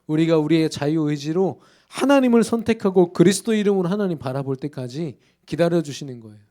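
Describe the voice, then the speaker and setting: Male pastor preaching in church, keeps asking the crowd questions, mellow slightly high voice. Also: animated, a little fast. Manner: emphatic preaching with rhetorical questions. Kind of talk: sermon.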